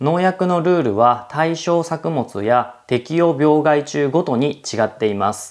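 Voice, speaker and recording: A man's fairly high voice with ordinary pitch variation at a fairly slow pace against a quiet background. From Japan, Nagano; Japan. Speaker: gardening YouTuber, agricultural consultant; gardening YouTuber. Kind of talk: tutorial. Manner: clear, explanatory. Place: home room. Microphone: lapel.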